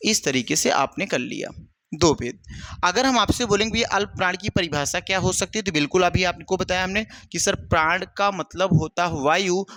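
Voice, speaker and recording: Here the grammar teacher's voice is on the high side and a bit bright, without echo. In his exam-prep lesson he keeps repeating points, answers his own questions to the class, and calls the students brother.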